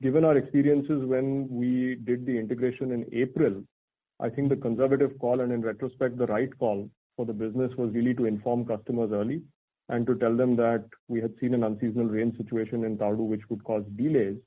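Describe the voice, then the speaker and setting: Over a narrow, tinny conference phone line, a man in a senior corporate role answers analysts' questions. He speaks at a middling pitch in a measured, articulate, businesslike way, setting out his reasoning as on an earnings call. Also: little pitch movement. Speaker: company executive answering analysts.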